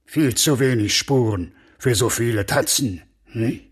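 An actor playing a proud, fretful Christmas baker in a children's audio story. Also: male voice, mid-range voice, measured pace, breathy edge. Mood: eager. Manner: lively, expressive.

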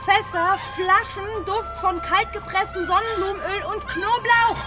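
An actress playing a playful, teasing young bride in love in a radio play, with an expressive delivery. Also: female voice, very high voice, measured pace. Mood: dreamy delight. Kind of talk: radio drama acting. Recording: studio radio play under loud music.

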